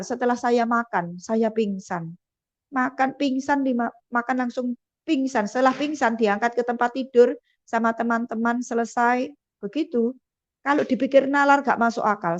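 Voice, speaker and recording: A woman, giving an emotional personal testimony and acting out the dialogue in her story. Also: a little high. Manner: vivid storytelling with quoted dialogue. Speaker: testimony speaker. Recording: dull lo-fi sound.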